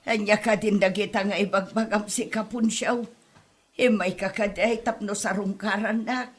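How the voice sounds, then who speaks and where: A woman's voice: mid-range voice, steady tone, moderate pace, lightly acted. A woman with an Ilocano accent playing a defensive, cross mother in a comedy drama. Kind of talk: scripted drama acting.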